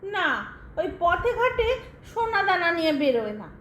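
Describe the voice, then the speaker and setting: A woman's voice: very high voice, very animated, a little slow, fairly bright tone, heavily acted. A woman playing a coy newlywed wife, playfully scolding and teasing in a theatrical Bengali audio drama. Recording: roomy echo, faint noise behind.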